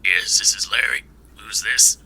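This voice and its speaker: Sharp, gravelly, wary older man played by an actor. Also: lowish voice, fairly even intonation, a little slow, full character voice, poor audio. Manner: folksy, plain-spoken. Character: wary, plain-spoken older male book author, folksy. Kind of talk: amateur audio drama acting.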